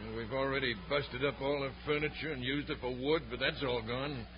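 A man's voice: mid-range voice, steady tone, fairly quick, lightly acted. A man playing a weary, plain-spoken older settler father in an old radio western, with a folksy, rustic manner. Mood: worried. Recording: muffled vintage radio recording with hiss.

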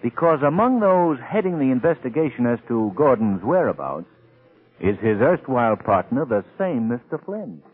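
An actor playing a suave, wry gentleman sleuth in an old-time radio drama, urbane and drily ironic, on a tinny old recording. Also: medium pitch, sing-song, normal speed, husky. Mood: wry, scheming.

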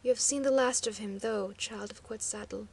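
A woman voicing a proud male master of guards who speaks in a cold, stern, measured way. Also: medium pitch, steady tone, husky.

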